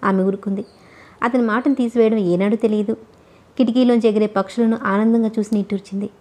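A woman narrating a novel as an audiobook reader, in a steady, even storytelling manner. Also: mid-range voice, fast.

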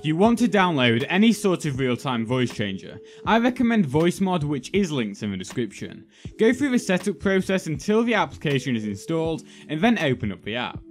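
A young man hosting a tutorial video, reading a scripted how-to guide in clear, step-by-step instructions. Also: fairly high pitch. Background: background music.

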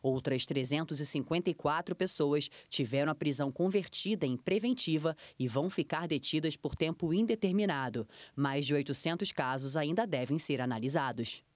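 A reporter reading a scripted news voice-over in an even, formal way. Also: medium pitch, normal speed, few pauses, no echo.

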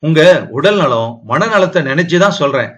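A man's voice: on the high side, animated, moderate pace, a bit bright, muffled recording. A man reading the part of a young wife in an audiobook, earnest and reproachful as she pleads with her husband. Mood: hurt, pleading.

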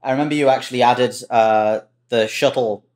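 A man's voice: mid-range voice, steady tone, moderate pace, darkish tone. A man talking casually in a roundtable discussion.

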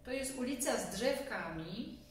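A woman's voice: fairly high pitch, lively intonation, unhurried, voice pushed up. A woman voicing a small, lost, stubborn boy in a storybook, with childlike, tearful delivery. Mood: naive. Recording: echoey room, distant mic, faint hum.

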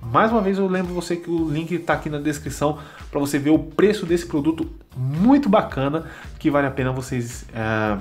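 A man's voice: fairly high pitch, lively intonation, brisk, husky, soft background music. A man with a Brazilian Portuguese accent explaining a product casually as a vlog host, chatty and often checking in with listeners. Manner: chatty, constant check-in tags. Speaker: drone channel host. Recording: loud wind and traffic noise.

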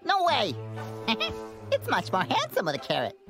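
An actor voicing an excitable, proud and stubborn young monkey prince in a children's cartoon, given to whooping exclamations. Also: mid-range voice, moderate pace, gravelly. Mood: stubborn, annoyed. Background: loud children's music.

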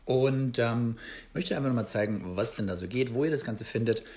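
A man in his thirties, talking casually to the camera from a small room at home, relaxed and chatty with many fillers and restarts. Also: mid-range voice, a little fast, a little hiss or hum. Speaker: travel vlogger. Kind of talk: casual travel vlog to camera.

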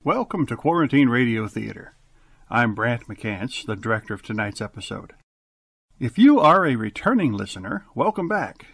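A man hosting as director, giving a theatrical scripted radio introduction with dramatic, deliberate pauses. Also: mid-range voice, very animated, creaky, a bit bright, husky, no room sound. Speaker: director and host.

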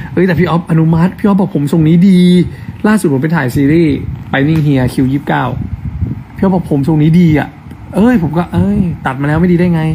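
A man's voice: fairly high pitch, vocal fry, darkish tone, slight background noise. A young man on a casual live stream, chatting affectionately as he reads out fan comments. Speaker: actor hosting an Instagram live.

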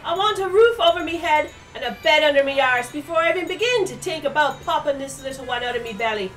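An actress voicing a brash, bossy pregnant young woman in a comic radio drama, crude and sharp-tongued. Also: high-pitched, expressive, quick pace, soft background music.

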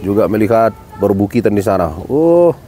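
A man's voice: on the low side, lively intonation, mellow, a little hiss or hum. Friendly middle-aged man vlogging outdoors. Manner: friendly, unhurried, exclaims at the views. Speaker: travel vlogger. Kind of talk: casual travel vlog narration. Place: outdoors by a lake. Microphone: phone at arm's length.

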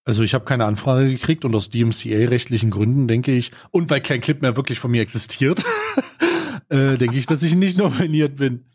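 A man's voice: medium pitch, a little fast, few pauses, a little mellow, dry recording, studio quality. A man co-hosting a casual podcast with a mock-formal, ironic manner. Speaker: podcast co-host. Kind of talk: casual chat.

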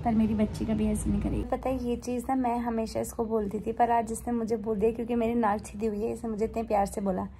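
A woman's voice: a little high, level tone, noisy background. A young woman vlogging casually with her family, playful and teasing, filmed on a phone camera. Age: young adult. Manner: playful, teasing, quick bursts of laughter. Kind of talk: casual family vlog chat.

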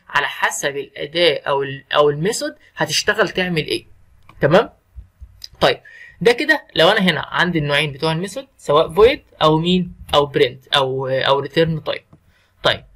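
Middle-aged Egyptian man, programming lecturer, very quick talker, slightly husky, answers his own questions. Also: on the high side, a bit bright. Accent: Egyptian Arabic. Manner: asks the class questions and answers them himself. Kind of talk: screen-recorded coding lesson.

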